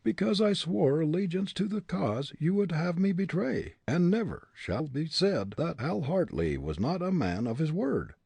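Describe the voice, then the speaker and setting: A man's voice: on the high side, sing-song, normal speed, gravelly, few pauses, darkish tone, husky, no room sound, voice pushed up, heavily acted. A man voicing a defiant, scornful young male prisoner, speaking proudly. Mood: wry.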